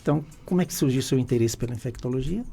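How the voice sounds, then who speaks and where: A man hosts a radio interview with a gravelly, mellow voice. He speaks in a measured, formal way, like an announcer introducing a guest. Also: medium pitch, a little hiss or hum. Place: radio studio.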